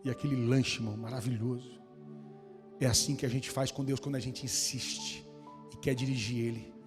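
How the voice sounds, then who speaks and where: A man preaching a sermon as pastor, moving between quiet storytelling and shouted, fervent exhortation in a church. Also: mid-range voice, little pitch movement, moderate pace. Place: church hall. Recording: long church reverb, music behind.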